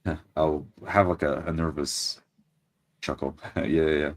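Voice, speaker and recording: A man's voice: a bass voice, steady tone, unhurried. A man playing a tabletop roleplaying game, narrating his character's actions as he improvises.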